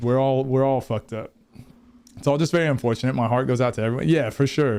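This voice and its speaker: A man's medium-pitched voice with an American accent, music playing in the background. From US, Oklahoma. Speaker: gaming streamer. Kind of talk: live stream chat. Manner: hesitant, many ums and repeats.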